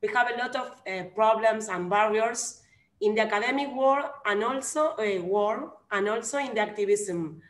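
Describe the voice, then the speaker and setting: A woman's voice: mid-range voice, moderate pace, roomy sound. A young woman from Argentina with an Argentine Spanish accent, speaking English earnestly on a video call from home and searching for words. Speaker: conference participant. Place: room at home.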